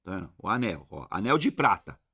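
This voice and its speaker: A man with a Brazilian accent teaching a grammar lesson, slangy and lively, often tossing rhetorical questions at his viewers. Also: low voice, brisk, breathy edge. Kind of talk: exam-prep grammar lesson.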